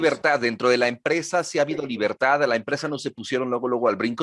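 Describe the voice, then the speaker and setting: There's noticeable background noise here. Over it, a man rattles off his words very fast. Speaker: radio host. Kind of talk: interviewer questions.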